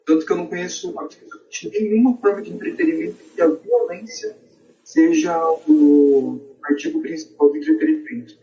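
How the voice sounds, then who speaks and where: A man's voice: a little high, sing-song, brisk, dark tone, slight background noise. A man with a Brazilian accent arguing his point in a casual podcast discussion, quoting others as he explains. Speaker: podcast debate participant. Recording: echoey room, distant from mic.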